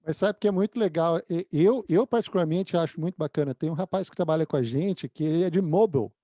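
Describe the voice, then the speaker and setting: A man's voice: on the high side, quick pace, mellow, no echo. A man hosting an interview, giving short friendly affirmations and asking follow-up questions. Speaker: interview host. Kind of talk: casual interview conversation.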